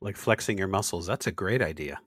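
A man co-hosting a podcast interview, friendly and quick to laugh. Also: low voice, lively intonation, fairly bright tone, husky, no echo, studio quality. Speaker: podcast co-host.

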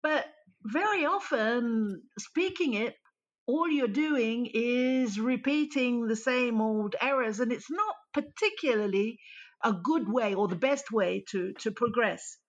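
Woman, fairly high voice, language teacher, explains things thoughtfully. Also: lively intonation, slow. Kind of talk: interview answers. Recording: muffled lo-fi line.

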